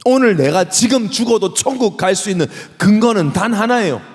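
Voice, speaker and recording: A male pastor preaches with a lively pitch that climbs and falls. He keeps putting rhetorical questions to the congregation. His voice carries a long reverb from the church hall. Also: brisk. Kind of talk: sermon.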